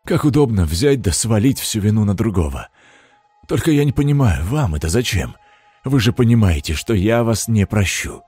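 A man voicing a cruel, weakened male master who speaks hoarsely and curtly. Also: lowish voice, very animated, moderate pace, mellow, no room sound, soft background music. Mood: cold. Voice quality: hoarse, strained.

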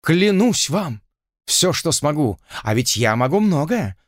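A man's voice: fairly high pitch, very animated, a little slow, no room sound, clean studio sound, pitched above the performer's own voice. A man voicing a smug, lecherous aristocratic envoy who talks in a languid, self-satisfied and pompous way.

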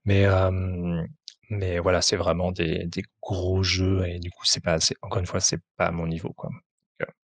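A man with a low, gravelly, slightly husky voice answers in a halting way, circling back with fillers and restarts. The recording is dry and close. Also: level tone, dry recording. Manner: hesitant, many fillers and restarts. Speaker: tabletop RPG author, translator and publisher. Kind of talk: conversational interview answers.

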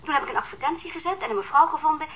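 A woman's voice: high voice, animated, rapid-fire. An actress in a radio drama playing an anxious, apologetic mother on the telephone, hesitant and stammering. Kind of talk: Dutch radio drama acting. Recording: telephone line with audible noise.

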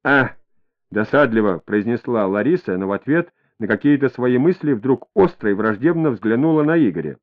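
A man reading a novel aloud as an audiobook narrator, in an expressive storytelling manner. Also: mid-range voice, fairly quick, narrow, tinny audio.

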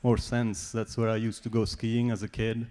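A man's voice: on the low side, flat delivery, normal speed, mellow. A man from Switzerland with a Swiss German accent, a native Swiss German speaker, giving a personal testimony in church with informal joking asides.

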